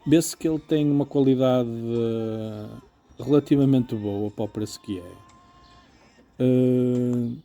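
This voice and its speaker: Very dark-voiced Portuguese man, casual reviewer. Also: mid-range voice, slow pace, faint music behind. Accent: European Portuguese. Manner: informal, explanatory, often checking with "ok?". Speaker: motorcycle gear reviewer. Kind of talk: casual product review, hands-on demonstration.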